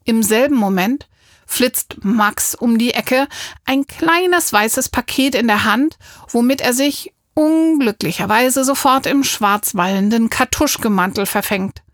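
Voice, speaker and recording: A woman narrates a children's storybook in a slow, unhurried way. Her voice sits fairly high, and the close microphone leaves it dry with no room sound. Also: no room sound. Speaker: audiobook reader. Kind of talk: scripted narration.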